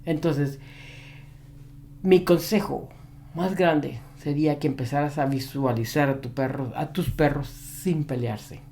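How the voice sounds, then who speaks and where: A man's voice: fairly high pitch, measured pace, dark tone, slight background noise. Emphatic man giving dog-training advice. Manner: repeats key advice emphatically. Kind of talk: advice monologue to camera.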